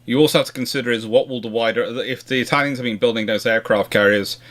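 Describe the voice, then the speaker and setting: A man's voice: mid-range voice, fairly even intonation, quick pace, fairly bright tone. A man hosting a casual history question-and-answer chat, rambling and often circling back to rephrase himself. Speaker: host answering viewer questions.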